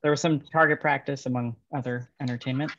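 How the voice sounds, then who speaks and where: A man's voice: mid-range voice, steady tone, quick pace, fairly bright tone, lightly acted. A man reading the part of a guarded, terse informant in a drama table read. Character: guarded, reluctant young informant among coal miners. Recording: dull, lo-fi.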